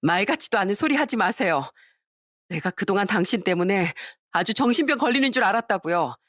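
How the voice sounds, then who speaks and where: A harassed young wife speaks with emphatic, accusing force, as a woman voices her. Her medium-pitched voice is dry and close. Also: lively intonation, fairly quick, a bit bright, no room sound. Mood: indignant.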